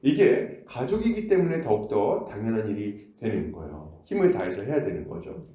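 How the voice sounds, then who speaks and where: A man's voice: on the low side, sing-song, moderate pace, mellow. A male pastor preaching a conversational sermon, often asking the congregation questions. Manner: conversational, asks the congregation questions, acts out scoldings. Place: church sanctuary. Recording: echoey church room.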